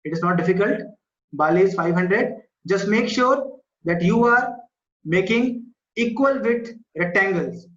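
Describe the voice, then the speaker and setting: High-voiced South Asian male teacher, echoey. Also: animated, a little slow, a bit bright. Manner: repetitive, checks understanding with short questions. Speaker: school maths teacher. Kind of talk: live online class lesson, explaining step by step. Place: indoor room, online video class. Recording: muffled, echoey online class audio.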